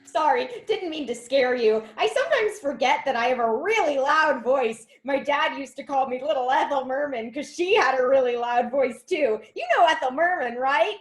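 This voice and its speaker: An actress playing an overly chatty young woman at a bus stop who talks loudly and overshares in a sketch reading. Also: high voice, animated, moderate pace, hardly any pauses. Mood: gushing. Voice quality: loud, oversharing, breaks into song. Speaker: actor in a sketch. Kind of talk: virtual staged reading of a comedy sketch. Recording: roomy echo.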